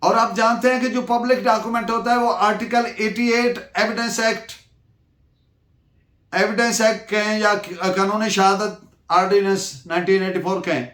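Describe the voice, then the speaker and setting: An echoey recording of a Pakistani man with a high-pitched voice, lecturing in a didactic way. He poses questions, answers them himself and dictates references as a teacher does for note-taking. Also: fairly bright tone. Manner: didactic, poses questions then answers them, switches between Urdu and English. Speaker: law lecturer. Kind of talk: lecture with case-law dictation. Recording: echoey room sound.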